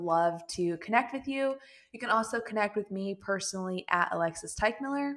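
A woman talks at a fairly quick pace and medium pitch. It is an unremarkable speaking voice with ordinary pitch variation. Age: 30s. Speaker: lifestyle podcast co-host. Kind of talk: casual chat.

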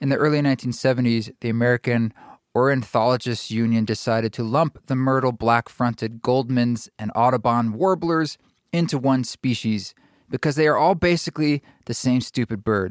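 In a dry, close sound with no echo and a very clean recording with a silent background, a man with an unremarkable speaking voice talks at a moderate pace and medium pitch with ordinary pitch variation. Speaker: musician and podcast host. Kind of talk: casual interview chat.

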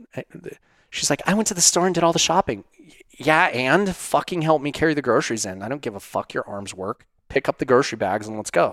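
Talking at a very fast pace, a man with a fairly high pitch uses vocal fry, very wide pitch swings and big swings in loudness, in a dry, close sound with no echo. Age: 40s. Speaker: podcast host. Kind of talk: casual monologue. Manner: animated.

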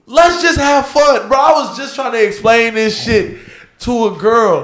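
Noticeable background noise sits behind a man's animated tone, his pitch extremely high and his intonation lively. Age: 20s. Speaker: podcast host. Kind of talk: casual chat.

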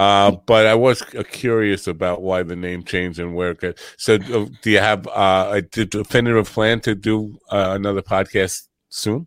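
Fairly even intonation marks this man's speech in a New York accent, delivered at a moderate pace. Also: fairly low pitch for a man. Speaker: podcast host and musician. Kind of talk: casual chat. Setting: video call.

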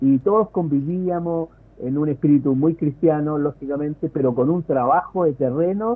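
At a moderate pace, a man speaks with a Chilean accent. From Chile, Santiago. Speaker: forestry researcher. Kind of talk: interview. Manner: halting, many repetitions.

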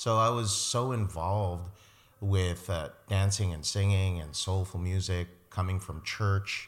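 A man talks at a fairly slow pace in a very deep, low pitch. His intonation stays fairly even. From Montreal, Quebec. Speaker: singer and music producer. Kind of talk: interview.

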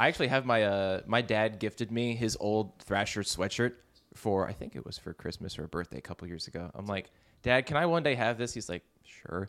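A man with an ordinary speaking voice, fairly low-pitched and with an American accent. He talks at a fairly quick pace, and his loudness swings widely. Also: lively intonation, very clean recording, silent background. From Georgia, US South. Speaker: podcast guest. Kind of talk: casual chat.

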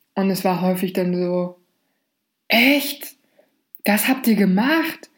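Speaking at a very slow pace, a woman sounds somewhat breathy. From Germany, rural village. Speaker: podcaster. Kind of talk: personal monologue podcast.

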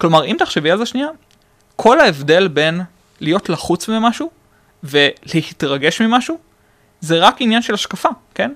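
Very wide pitch swings in a man's fairly quick delivery. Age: 20s. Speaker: debate coach and psychology PhD student. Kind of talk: casual interview. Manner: hesitant, many fillers.

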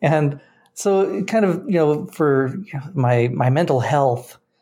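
Speaking very slowly in an American accent, a man uses lively intonation and a dark, mellow tone. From Oregon coast. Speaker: computer programmer, podcast co-host. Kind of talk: interview, personal testimony. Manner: halting, repeats words.

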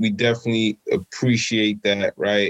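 A man with a medium pitch talks at a fairly slow pace in a plain, everyday voice. The sound is dry and close, with no echo. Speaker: podcast co-host. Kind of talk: casual interview.

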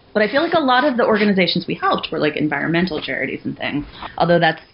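Noticeable background noise sits under a woman talking at a very fast pace. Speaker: podcast co-host. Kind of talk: casual chat. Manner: cheerful.

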